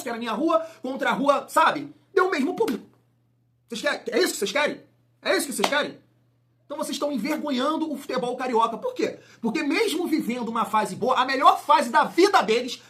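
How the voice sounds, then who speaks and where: A man's voice: very high voice, sharp tone. A man hosting a football fan vlog, talking emphatically and firing off rhetorical questions. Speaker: football fan channel host. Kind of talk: casual vlog commentary.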